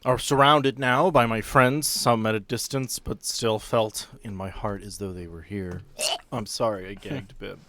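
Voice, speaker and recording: A man's voice: fairly low pitch, steady tone, normal speed, pushed and bright. A man hosting a podcast as game master, chatting casually and jokingly.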